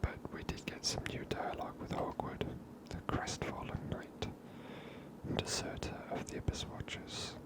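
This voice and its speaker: A gamer giving gentle, hushed ASMR commentary over a video game, whispered close to the microphone. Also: normal speed. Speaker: ASMR gamer, channel host.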